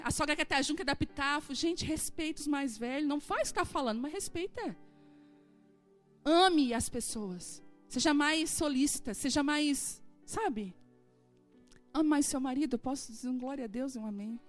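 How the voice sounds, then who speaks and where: High-voiced southern woman preaching. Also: normal speed, soft background music. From southern Brazil. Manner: animated storytelling, acting out dialogue. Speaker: pastor. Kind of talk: sermon. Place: church hall.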